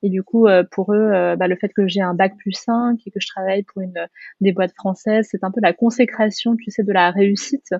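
A woman in her thirties talks casually as a podcast guest, with many fillers and a relaxed, chatty flow. The audio is dry and slightly dull. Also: medium pitch, a little fast, no echo. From France. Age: 30s. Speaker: guest, restaurant founder. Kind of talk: casual interview chat.

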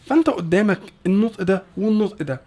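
A man with an Egyptian Arabic accent, a guest teaching English pronunciation in a casual podcast talk, animated and full of restarts. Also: high-pitched. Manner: animated, fast, many restarts and repeated words.

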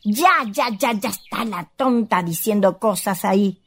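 An actress playing a bossy, scolding elder-sister ghost in a radio play, with an expressive rustic Chilean accent. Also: female voice, mid-range voice, measured pace, husky. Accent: rural Chilean. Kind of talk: radio theatre acting.

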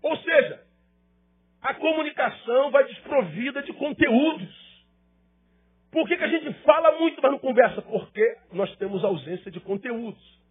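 Husky high-voiced male pastor preaching. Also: animated, normal speed, phone-quality sound. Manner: emphatic preaching, rhetorical questions and repetition. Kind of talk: sermon.

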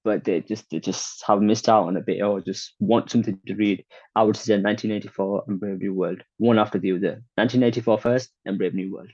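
A man's voice: lowish voice, steady tone, fast talker, darkish tone, no echo. Opinionated young man, dull dry sound. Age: 20s. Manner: opinionated, acts out quotes, stammers on restarts. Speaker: conversation partner. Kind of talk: casual chat.

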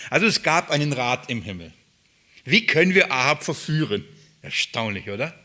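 A man preaching an expository sermon, leaning hard on rhetorical questions. His voice sits a little high and rings bright and forceful. His pulpit delivery is emphatic and searching.

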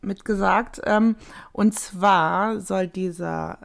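A woman with a creaky voice co-hosting a casual conversation about a crime case. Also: mid-range voice, steady tone, takes it slowly. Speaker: podcast co-host.

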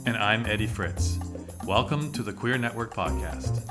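A man's voice: fairly low pitch, lively intonation, normal speed, reverberant, over loud music. A man in his sixties, co-creator of the podcast, talking earnestly on a panel. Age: 60s. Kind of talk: casual panel discussion.

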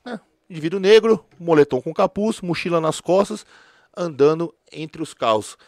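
A man's voice: a little high, lively intonation, moderate pace, darkish tone, dry recording, clean studio sound. A man, a former police officer telling stories in a slangy, casual conversation. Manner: storytelling, slangy, repeats filler words.

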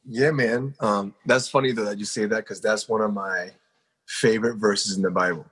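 A man's voice: on the low side, fairly even intonation, normal speed, a bit bright, breathy edge. A man in his twenties, a pastor and guest from South Korea, telling his story in an earnest, conversational way with plenty of fillers. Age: 20s. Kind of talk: casual interview storytelling.

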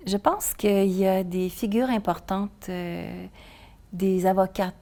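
Woman host asking measured questions. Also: medium pitch, fairly even intonation, warm tone. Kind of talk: interview questions.

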